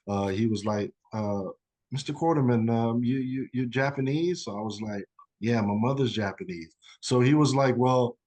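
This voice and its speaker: A man's voice: mid-range voice, darkish tone. A man, a guest author, telling a personal story in a rambling conversational way, full of "you know" and fillers.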